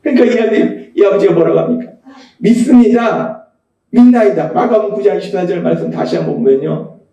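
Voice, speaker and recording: A man preaching a Sunday sermon as pastor, emphatic and repeating key phrases, sometimes rising to shouts. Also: high-pitched, fast talker, muffled recording. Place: church sanctuary. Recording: echoey church hall, mic at a distance.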